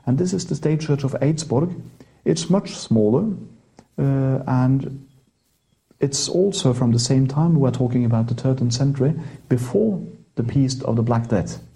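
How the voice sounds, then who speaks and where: Man, Norwegian accent, priest, warm mellow tone, chatty with restarts. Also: medium pitch, gravelly. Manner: chatty, halting restarts, light laughter. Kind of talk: interview guest explaining history.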